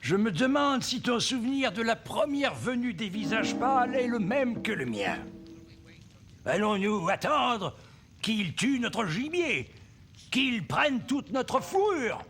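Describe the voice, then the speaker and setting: A man's voice: very high voice, sing-song, takes it slowly, exaggerated voice. A man voicing a bitter, vengeful tribal elder in a cartoon, theatrical and challenging, over music. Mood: bitter challenge. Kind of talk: French animated film dubbing. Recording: music behind the voice.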